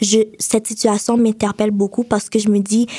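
Her voice is fairly high with a dark, mellow tone. The woman keeps a moderate pace and a monotone, flat intonation. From Haiti. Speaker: social work graduate. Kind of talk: panel discussion.

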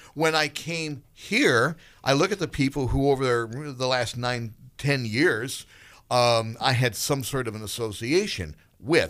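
Spoken at a fairly slow pace with an American accent, the voice shows ordinary pitch variation on a very clean recording with a silent background. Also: man, medium pitch for a man. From US Northeast, Albany area. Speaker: radio DJ. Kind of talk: casual chat. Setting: studio. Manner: mellow, reserved.

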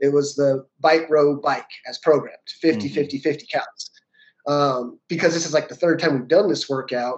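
A man speaks at a moderate pace with an American accent and fairly even intonation. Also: fairly high pitch for a man. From Texas. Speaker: fitness coach. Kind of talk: casual interview.

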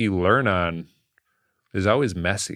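In a very clean recording with a silent background, a man with a bright, sharp tone speaks at a moderate pace with ordinary pitch variation. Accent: American. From Michigan. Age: 30s. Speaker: music industry manager. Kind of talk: casual chat. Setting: studio.

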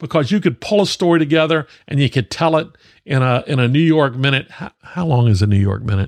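A man's a normal speaking voice, fairly high in pitch, fairly quick in pace, with lively intonation. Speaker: podcast host, leadership professor. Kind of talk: casual chat.

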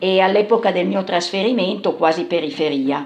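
A woman's fairly low voice at a moderate pace, with ordinary pitch variation and noticeable background noise. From Turin, Italy. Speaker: neighbourhood resident. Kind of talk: personal testimony.

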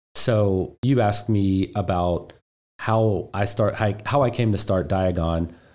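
A man with an American accent speaks in an unremarkable speaking voice at a fairly low pitch with ordinary pitch variation. His loudness stays very even as he talks at a fairly slow pace. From Pittsburgh, US. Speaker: manufacturing startup founder. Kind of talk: interview.

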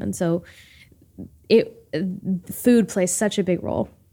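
On a very clean recording with a silent background, a woman speaks at a moderate pace in a dark, mellow tone with monotone, flat intonation. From northern US. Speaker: podcast co-host and producer. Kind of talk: casual conversation. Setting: recording in a hall.

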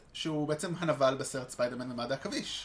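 A man with a fairly high pitch and ordinary pitch variation talks while noticeable background noise carries on. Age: 30s. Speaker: podcast host. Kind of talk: casual chat.

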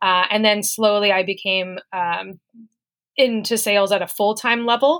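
With a Canadian accent, a woman speaks in a plain, everyday voice. Her pitch is medium, with ordinary variation. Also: moderate pace. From Ottawa, Canada. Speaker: sales director. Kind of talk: interview.

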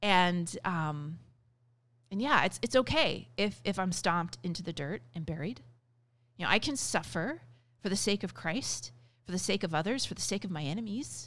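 With an American accent, a woman talks at a moderate pace. Her voice has vocal fry and very wide pitch swings. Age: 40s. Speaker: Bible study teacher. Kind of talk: Bible lesson. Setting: home podcast studio.

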